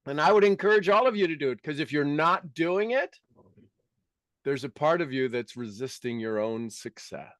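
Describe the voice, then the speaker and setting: A man with a slightly raised pitch leads a motivational workshop in front of a live audience. He talks emphatically and repeats his key words for effect. The sound is dry, with little room echo. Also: lively intonation, normal speed, fairly bright tone. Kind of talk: live seminar teaching to an audience.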